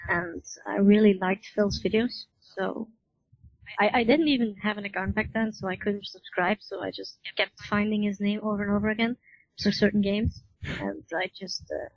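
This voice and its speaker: Female podcast guest, casual, flat intonation, dry muffled recording. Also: medium pitch, normal speed, vocal fry, no room sound. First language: Dutch. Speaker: podcast guest, forum admin. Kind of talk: casual interview chat.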